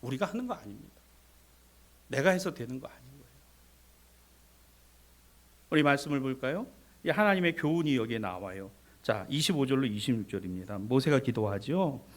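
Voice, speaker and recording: A male pastor preaching a sermon, addressing the congregation directly, swinging between raised exhortation and hushed, whispered asides. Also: medium pitch, lively intonation, moderate pace, long pauses. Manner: addresses congregation directly, acts out voices of people and God.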